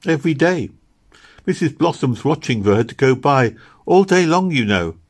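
A man's voice: medium pitch, animated, normal speed, voice pushed up, lightly acted. A man plays an earnest little girl in a storybook tale. The voice is lifted well up, with simple, childlike phrasing, hopeful and caring in every line. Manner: simple, childlike, insistent speech.

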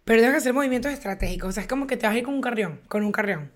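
A woman's voice: on the high side, racing. A woman with a Venezuelan accent co-hosting a podcast, telling stories in casual chat and acting out the quoted dialogue. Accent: Venezuelan Spanish. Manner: animated storyteller who acts out quoted dialogue. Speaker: podcast co-host.

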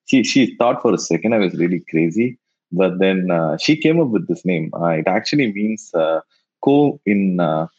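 A man whose first language is Tamil, answering interview questions in a halting way and often repeating words as he thinks. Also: deep voice, expressive, a little mellow, husky. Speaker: guest, NFT investor. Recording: dull lo-fi sound.

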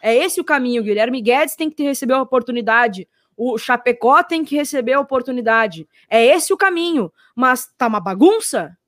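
Lady doing sports commentary, high voice, really dry sound, hammers her points. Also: lively intonation, moderate pace, few pauses, fairly bright tone, no echo. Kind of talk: opinionated sports debate.

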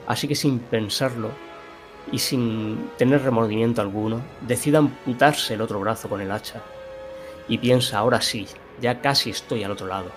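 A man's voice: on the low side, natural voice. A man playing a sinister narrator of a macabre horror tale, dramatic and ominous.

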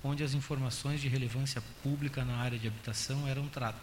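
A man with a Brazilian accent reading council motions aloud in a steady, measured official tone. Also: mid-range voice. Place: council chamber. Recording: echoey chamber audio with faint hiss.

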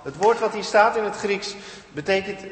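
A man preaching a sermon with earnest emphasis, rising to emphatic peaks and dropping quiet again. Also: sits high, normal speed. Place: church. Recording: echoey church hall with long reverb.

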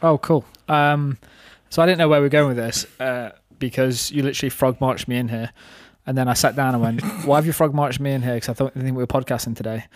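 A man's voice: medium pitch, fairly even intonation, quick pace, few pauses, no room sound. A man of thirty chatting casually on a podcast in a reflective, rambling way, explaining his own thinking. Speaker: podcast host and business owner.

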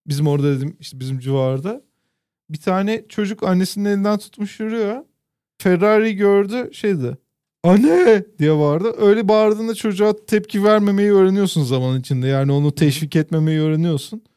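A man's voice: high-pitched, mellow, clear, resonant tone, dry recording, studio quality. A man co-hosting a casual chat, telling long comic stories and drawing out words for effect. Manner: drawn-out comic storytelling. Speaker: podcast co-host.

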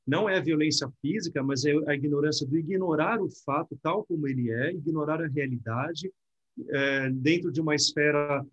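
A man with a husky, slightly high voice speaks as a Buddhist teacher and host. He explains ideas reflectively, often ending with tag questions. The recording is dull and lo-fi. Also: moderate pace. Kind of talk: reflective conversation.

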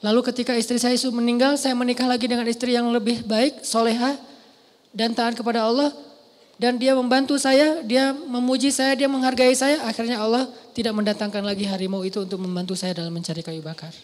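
An Indonesian-accented man preaching a sermon to a mosque audience, telling stories with lively asides. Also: very high voice, a little fast. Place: large mosque hall. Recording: long hall reverb.

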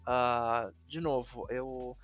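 A man's voice: medium pitch, steady tone, drawn-out words, fairly bright tone. A Brazilian man chatting casually on a podcast, often repeating words as he searches for his phrasing. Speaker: podcast co-host. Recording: dull lo-fi audio, music behind. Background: background music.

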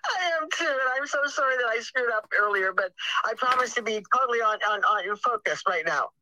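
Lady guest on speakerphone, chatty and sorry-sounding, bright voice that bounces all over. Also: on the high side, lively intonation, a little fast, dull audio, a little hiss or hum. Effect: heard over a speakerphone. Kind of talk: casual chat.

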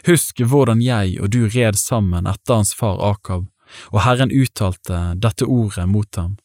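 A man's voice: on the low side, a little mellow, dry recording, studio quality, lightly acted. A man voicing a stern ancient warrior king in a scripture reading, blunt and commanding.

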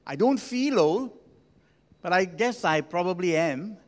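A man of sixty preaching as a senior pastor in a conversational, gently humorous way, with emphatic pauses. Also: high-pitched, lively intonation. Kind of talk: sermon to a congregation. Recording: long hall reverb.

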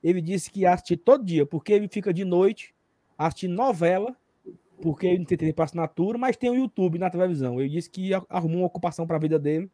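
A man with a Ceará accent co-hosting a live stream, telling stories in a lively, chatty way. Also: sits high, quick pace. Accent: Northeastern Brazilian, Ceará. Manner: animated storyteller. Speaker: live show co-host. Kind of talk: casual chat and anecdote telling.

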